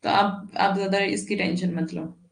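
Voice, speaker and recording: A woman's voice: medium pitch, fairly even intonation, normal speed, creaky, reverberant. A woman teaching an online exam-prep lesson, explaining patiently and checking often that her students follow. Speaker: Hindi teacher.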